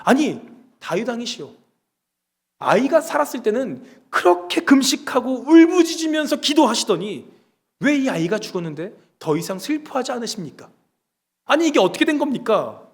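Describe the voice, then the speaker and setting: A preacher playing a bewildered royal servant. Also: male voice, very high voice, very animated, moderate pace. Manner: bewildered, questioning. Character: puzzled royal servants questioning their king.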